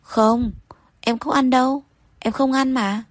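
A woman's voice: sits high, steady tone, takes it slowly, a little hiss or hum, pitched above the performer's own voice. A woman voicing a playful young woman who protests her innocence in a pleading way, in an audio story. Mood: protesting.

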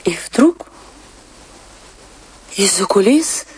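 A woman's voice: medium pitch, animated, a little mellow, slightly rough, exaggerated voice. An actress playing a passionate, lovelorn woman dancer in a radio drama, speaking with theatrical emotion and wistful grief. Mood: wistful, breathless. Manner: dramatic, slow, emotional delivery.

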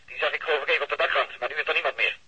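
An actor playing an alert police lookout reporting urgently through a walkie-talkie filter in a radio drama, with a rough voice. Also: male voice, on the high side, racing, sharp tone, exaggerated voice. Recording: dull, crackly walkie-talkie sound.

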